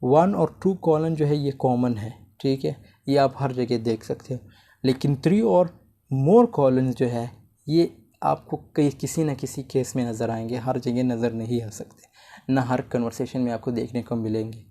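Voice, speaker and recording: Slow, mellow-voiced male lecturer. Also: medium pitch. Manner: reads English slide text slowly, then explains it in Hindi-Urdu; repeats words while explaining. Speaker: teacher. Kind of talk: online lecture explaining slides.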